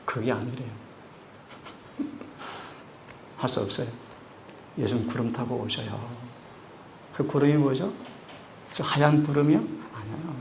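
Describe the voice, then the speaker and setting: Guy preaching a sermon, kinda high voice, gets loud then drops soft, acts out the bible bits. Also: gravelly, a little hiss or hum. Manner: animated preaching, acting out dialogue with swings in pitch and loudness. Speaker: pastor.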